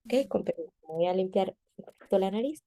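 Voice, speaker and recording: A woman's voice: mid-range voice, lively intonation, fairly quick, warm tone. A woman voice teacher patiently explaining singing technique in an interview over a video call, often checking in with her listener.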